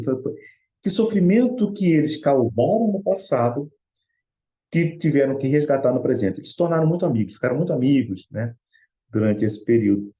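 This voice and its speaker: Speaking earnestly and conversationally in a Spiritist study talk, a middle-aged Brazilian man recounts something from his own life. He has a Brazilian Portuguese accent and a mellow, mid-range voice.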